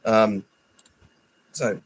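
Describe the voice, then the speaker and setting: A man talking to his live chat in a low, husky voice, stuffy from hay fever. He rambles and swears when irritated, casual and unscripted. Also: fairly even intonation, drawn-out words. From United Kingdom. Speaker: livestreamer.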